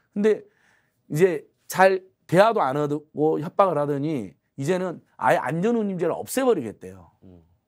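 A man with a high-pitched voice talks at a moderate pace in an animated tone, with lively intonation and big swings in loudness, against a quiet background. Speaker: civic activist and research institute director; political commentator. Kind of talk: political talk show interview. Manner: talkative, animated. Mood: critical, animated. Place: studio. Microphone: lapel.

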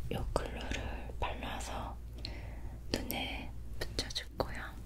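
Whispering and soft-spoken, a woman speaks at a very slow pace over loud background noise. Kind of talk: soft-spoken ASMR roleplay. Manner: soft ASMR whisper. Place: home room.

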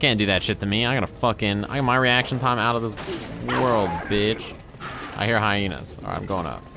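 Over noticeable background noise, a man talks at a fairly quick pace in a fairly low pitch. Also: ordinary pitch variation. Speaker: gaming streamer. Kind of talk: live gameplay commentary. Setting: live stream. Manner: animated.

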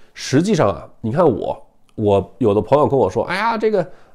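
Against a quiet background, the speaker uses vocal fry and very wide pitch swings at a moderate pace. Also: man. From Beijing, China. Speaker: YouTuber commentator; channel host. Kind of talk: monologue to camera. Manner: frequent fillers and hesitations. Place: home room.

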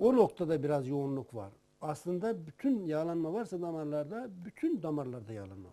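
The man's voice has a dark, mellow tone. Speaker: guest. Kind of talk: interview answer. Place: studio. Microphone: lapel.

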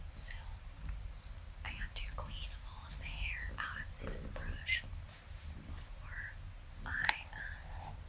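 Soft-spoken, a woman talks at a very slow pace. Long, frequent pauses break up her speech. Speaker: video creator. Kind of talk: casual vlog chat. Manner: soft, hushed ASMR speaking voice. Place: home room.

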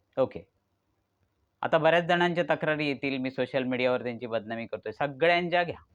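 At a fairly high pitch, a man talks with ordinary pitch variation. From Kudal, Sindhudurg, Maharashtra (Konkan). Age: 40s. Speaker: social media vlogger. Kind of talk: angry video monologue. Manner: animated.

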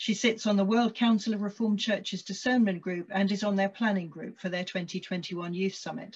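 Her medium-pitched voice is somewhat breathy, with fairly even intonation at a moderate pace. The woman hardly pauses, and the background is quiet. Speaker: webinar moderator. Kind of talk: moderating a webinar. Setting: video call. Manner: hesitant, many fillers. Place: home room. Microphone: video call.

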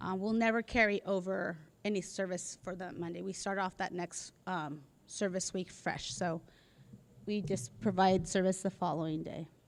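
On a very clean recording with a silent background, a woman speaks at a medium pitch and a moderate pace. Hers is a plain, everyday voice with fairly even intonation. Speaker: waste service company representative. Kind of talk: public presentation. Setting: community town hall meeting with audience.

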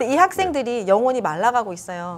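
A woman talks at a very fast pace. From South Korea. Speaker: parliamentary candidate, former elementary school teacher; candidate, former elementary school teacher. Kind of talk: political interview. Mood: earnest, passionate. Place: studio. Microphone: lapel.

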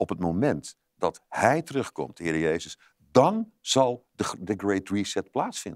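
A man speaks at a very slow pace with vocal fry and very wide pitch swings. The sound is dry with no echo, against a quiet background. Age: old. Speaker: pastor; pastor guest. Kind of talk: interview. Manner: halting. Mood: earnest, engaged. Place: studio. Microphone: lapel.

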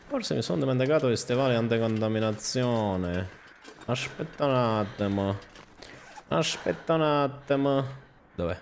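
With lively intonation and long, frequent pauses, a man speaks at medium pitch against noticeable background noise. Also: moderate pace. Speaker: gaming YouTuber. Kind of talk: let's play commentary. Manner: animated.

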